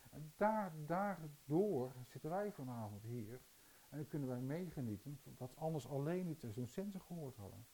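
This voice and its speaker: A man's voice: on the high side, animated, moderate pace, mellow, a little hiss or hum, rough recording. A man preaching a sermon, telling stories and putting rhetorical questions to his listeners. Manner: storytelling, rhetorical questions to the audience.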